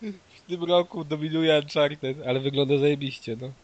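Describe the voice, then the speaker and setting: A man's voice: a little high, steady tone, normal speed, no room sound. A man chatting casually with friends while they watch game trailers, joking and swearing now and then. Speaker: gaming commentator. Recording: dry, slightly dull sound.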